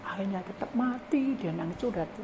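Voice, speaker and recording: A woman pastor preaches a testimony, animatedly acting out each exchange. Her voice sits at an ordinary middle pitch. Steady background noise runs under the recording. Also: fairly quick, muffled recording. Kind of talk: sermon testimony. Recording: noisy live recording.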